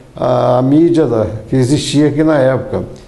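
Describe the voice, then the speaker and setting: Noticeable background noise and audible room echo accompany a man who speaks at a fairly slow pace. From Rio de Janeiro state, Brazil (São Fidélis). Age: 80s+. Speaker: retired professor and journalist. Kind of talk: interview. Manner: halting, self-correcting.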